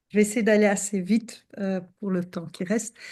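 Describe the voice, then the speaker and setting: A woman speaks against a quiet background. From Belgium. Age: 60s. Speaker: psychologist. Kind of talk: testimonial interview answer.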